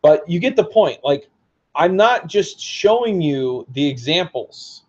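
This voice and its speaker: A hoarse man, the book's author, reads passages aloud from his own book and explains them with casual asides. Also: fairly high pitch, sing-song, a little slow, lo-fi sound.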